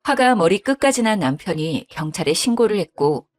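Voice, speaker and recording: A woman's voice: lowish voice, sing-song, normal speed. A woman in her fifties narrating her own family story in a matter-of-fact way. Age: 50s. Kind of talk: first-person story narration. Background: faint background music.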